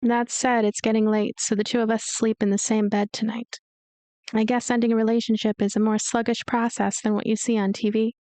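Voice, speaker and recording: Higher-voiced woman reading a game aloud. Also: level tone, a little fast, mellow, no echo. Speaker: let's play host and narrator. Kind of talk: visual novel read-aloud with casual commentary. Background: game music.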